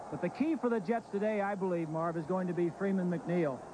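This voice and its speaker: A man's high voice at a fairly quick pace, with ordinary pitch variation, noticeable background noise and a dry sound with no echo. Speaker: football color commentator. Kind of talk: live commentary. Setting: stadium broadcast booth. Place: stadium. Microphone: handheld.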